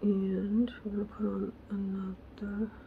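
A woman hosting a casual crafting tutorial, chatty and correcting herself, her voice raspy because she is losing it. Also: mid-range voice, monotone, measured pace, phone-quality sound, slight background noise. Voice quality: gravelly. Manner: chatty, self-correcting, muttering asides to herself. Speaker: craft channel host.

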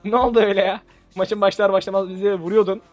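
A man's voice: sits high, little pitch movement, quick pace, lo-fi sound, faint music behind. A young man giving playful, teasing commentary on a shooter game match for his channel. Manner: playful, teasing, bursts of laughing shouts. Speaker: gaming YouTuber. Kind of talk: excited gameplay commentary.

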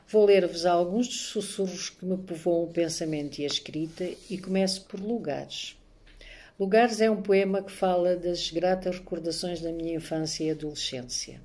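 A middle-aged woman, introducing herself and reading her poems in a measured, soft-spoken way, recorded on a phone at home. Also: on the low side. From born in Angola, raised there. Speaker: poet and maths teacher. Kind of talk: self-introduction and poetry reading. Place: home room, indoors. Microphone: phone camera at arm's length.

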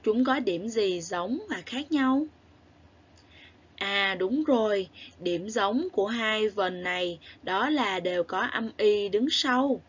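A woman with a southern Vietnamese accent teaching a recorded lesson to young children, spelling sounds aloud clearly and praising the class. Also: medium pitch, lively intonation, slow pace, dull audio. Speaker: primary school teacher.

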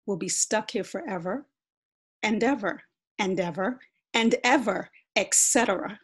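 A woman doing a toneless, deadpan teenage boy. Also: mid-range voice, a little slow, breathy edge. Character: gloomy deadpan teenage boy, the girl's brother.

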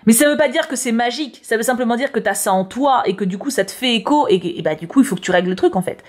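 A woman's voice: a little high, animated, fast. A woman chatting casually as she reads tarot horoscopes, slangy and prone to repeating words. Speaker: YouTuber reading tarot horoscopes. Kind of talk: casual chat.

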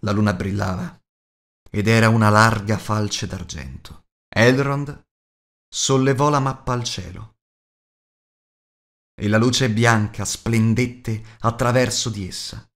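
A man's voice: on the low side, takes it slowly, long pauses, a bit bright. A man reading scripted fantasy narration as an audiobook narrator.

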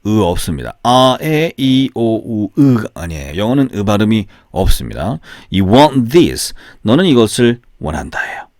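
A man teaches English sentence patterns, his pitch rising and falling animatedly. He drills each phrase slowly so it can be repeated. The sound is dry and close, with no room echo. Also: sing-song, a little mellow. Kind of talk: online English pattern lesson.

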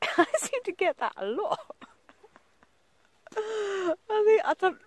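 A woman's voice: very high voice, lively intonation, drawn-out words. Chatty woman vlogging on a windy walk. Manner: chatty, laughs often, breathy asides. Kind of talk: casual vlog narration. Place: outdoors on windy coast and town streets. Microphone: phone at arm's length.

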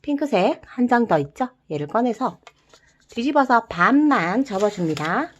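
Woman, origami tutorial, animated sing-song pitch, gentle and encouraging, slightly dull lo-fi sound. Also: moderate pace. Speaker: origami instructor. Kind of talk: step-by-step craft tutorial.

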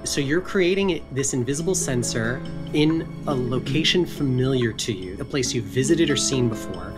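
A game master narrating a tabletop fantasy game with suspense, deliberate delivery and dramatic pauses. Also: medium pitch, expressive, music in the background.

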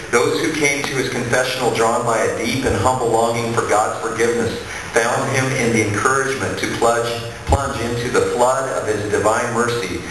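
A man's voice: lowish voice, noisy background. A man in his thirties, a priest giving a sermon from a lectern in a large church, with an earnest, repetitive preaching cadence. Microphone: gooseneck mic on a lectern. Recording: echoey church from far off.

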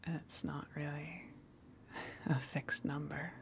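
A gentle female tentacle monster, played by a woman in an ASMR roleplay, whispering very slowly. She is shy and affectionate, hesitant and apologetic, with a low, breathy delivery. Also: flat delivery, full character voice. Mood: affectionate, sheepish. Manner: hesitant, apologetic, soft giggles between halting phrases.

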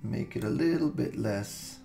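A man's medium-pitched voice, a little slow and touched by vocal fry, carries a step-by-step software tutorial. He records at his computer over soft music, relaxed and thinking aloud, with fillers and restarts throughout.

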